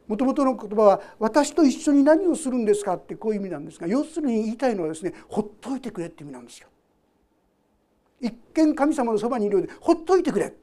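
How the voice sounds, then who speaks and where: A woman's voice: mid-range voice, dark tone. A woman pastor preaching a sermon. She reads scripture aloud, explains it, and talks to the congregation directly with questions.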